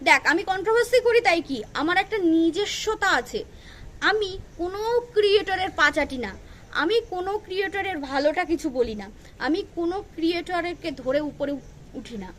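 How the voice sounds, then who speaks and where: A woman's voice: very high-pitched, brisk, a little hiss or hum. A middle-aged woman scolding someone on her roast vlog, confrontational and repeating rhetorical questions, recording herself at home. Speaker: roast vlogger.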